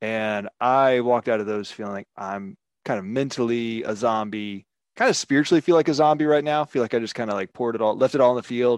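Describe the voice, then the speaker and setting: A man with an American accent, a very fast pace, a dry, close sound with no echo, and a quiet background. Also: medium pitch for a man, ordinary pitch variation. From US South, North Carolina. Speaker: pastor. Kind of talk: interview.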